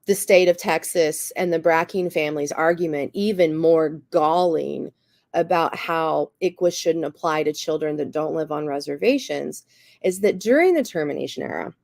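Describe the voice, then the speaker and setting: A woman with a slightly raspy voice and a cough, earnestly explaining things as a guest speaker, often saying "you know" and "um". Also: low voice, a little mellow, no room sound. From Cherokee Nation. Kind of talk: explanatory talk.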